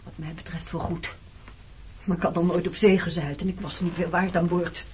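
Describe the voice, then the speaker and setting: A woman's voice: lowish voice, steady tone, normal speed, slight background noise, natural voice. An actress playing a hurt, resentful woman accusing her former lover in a Dutch radio play. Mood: guarded. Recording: muffled old radio recording.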